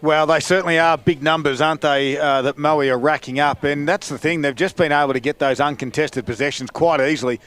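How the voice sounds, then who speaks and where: A man's voice: a little high, steady tone, a little fast, few pauses, a bit bright. A man with an Australian accent calling halftime scores at a local football match, reading sponsor ads and joking with his co-hosts. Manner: easygoing, jokes with co-hosts. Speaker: play-by-play commentator. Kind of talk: halftime sports commentary with ad reads. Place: outdoor football ground.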